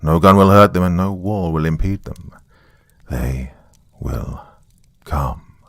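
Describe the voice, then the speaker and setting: A man's voice: sits low, lively intonation, takes it slowly, vocal fry, fairly bright tone, dry recording, exaggerated voice. A man voicing a solemn Native American elder who gives a grave, portentous warning in a horror story. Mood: foreboding warning. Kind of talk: dramatic reading in a horror story.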